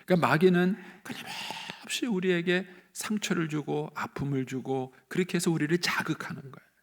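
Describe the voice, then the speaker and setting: A male pastor preaching a sermon in a church, telling stories and acting out the people he quotes, jumping up in pitch for emphasis. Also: moderate pace. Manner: animated storytelling, acting out quoted voices, rising sharply for emphasis. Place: church sanctuary.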